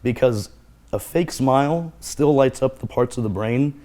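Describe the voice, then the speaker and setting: A man's voice: mid-range voice, measured pace, mellow. A man speaking as a guest therapist, explaining in an earnest conversational way and repeating his key phrases.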